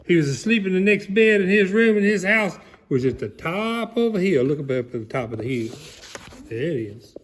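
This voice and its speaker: A man voicing a folksy, excitable country alligator, giving a theatrical comic storybook reading. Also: high voice, normal speed, slight background noise. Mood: hammy, excited. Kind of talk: dramatic storybook reading, played for comedy.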